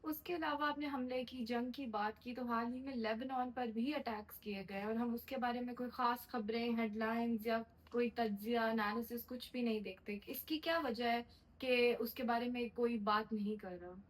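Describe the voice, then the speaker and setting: A woman interview host asks her guest a probing question in a steady way. Her voice sits somewhat high. She speaks clearly and evenly, without rushing. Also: poor audio. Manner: steady questioning, frequent listening murmurs.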